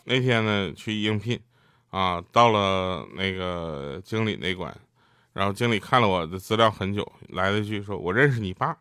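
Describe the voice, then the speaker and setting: A man doing a stand-up comedy set on stage, telling deadpan stories and acting out quotes. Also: sits low, moderate pace, clean tone, dry recording, studio quality, faint music behind. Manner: deadpan storytelling with acted quotes. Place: stage with live audience.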